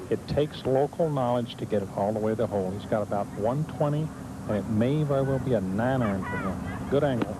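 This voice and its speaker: Guy doing live golf commentary, medium pitch, noisy outdoor broadcast.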